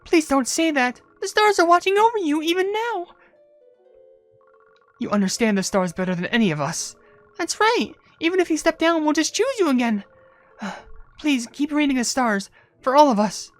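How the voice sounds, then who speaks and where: A woman's voice: sits high, sing-song, moderate pace, pauses often, soft background music. A woman voicing a small, devoted cookie attendant in a game cutscene, caring, eager and pleading. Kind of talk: video game cutscene voice acting.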